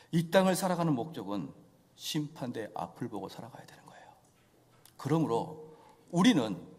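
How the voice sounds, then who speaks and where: A man's voice: medium pitch, a little mellow, slightly rough. A male pastor preaching a sermon in an emphatic style, full of rhetorical questions. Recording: long church reverb.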